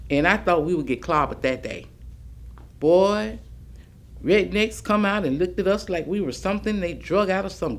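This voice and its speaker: A woman actor performing a defiant Black civil rights picketer's folksy, emphatic recollections, as a staged reading. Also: lowish voice. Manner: plainspoken, folksy, emphatic storytelling. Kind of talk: staged reading of oral history.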